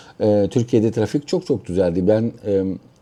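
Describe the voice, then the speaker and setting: At a fairly slow pace, a man speaks in a dark, mellow tone at medium pitch. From Turkey. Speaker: real estate consultant. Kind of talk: vlog monologue. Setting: hotel room. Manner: halting, many filler sounds.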